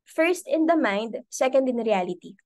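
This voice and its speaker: A young woman with a Filipino accent teaching a team in an online training call, animated and full of tag questions. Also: on the high side, unhurried. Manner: animated, code-switching, asks many tag questions. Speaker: business mentor. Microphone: video call.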